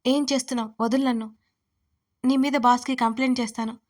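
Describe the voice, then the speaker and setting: A woman's voice: a little high, steady tone, fast talker, lightly acted. A woman voicing an indignant young working woman who scolds and talks back in an audio story. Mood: defiant.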